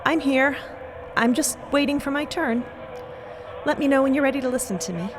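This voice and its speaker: A woman playing a composed, firm young woman in an audio drama, speaking with measured restraint. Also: sits high, noisy background, pitched above the performer's own voice, natural voice. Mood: patient, firm. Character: composed young woman firmly standing up to family.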